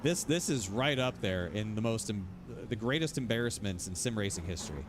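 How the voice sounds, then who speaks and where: Ranting casually on a sim racing stream, this man rambles, repeats himself, and curses without restraint. He speaks briskly and animatedly in a fairly low voice, with noise in the background.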